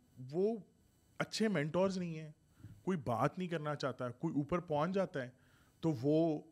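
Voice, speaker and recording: Very cleanly recorded against a silent background, a man with a plain, everyday voice speaks at a fairly high pitch with ordinary pitch variation. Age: 30s. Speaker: podcast host. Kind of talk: casual interview chat.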